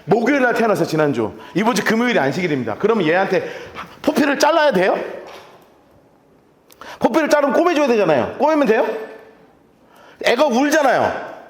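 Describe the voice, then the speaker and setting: A man preaching a sermon as pastor, playful and animated, acting out little scenes as he teaches. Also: high-pitched, brisk, pauses often, reverberant. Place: church.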